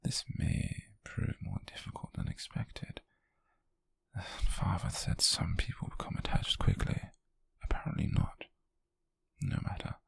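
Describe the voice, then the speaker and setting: A British man plays a possessive, wealthy young yandere in an ASMR roleplay, coaxing haltingly in a breathy, husky whisper tinged with soft menace. The acting is light, the mood wistful and obsessive, with no echo.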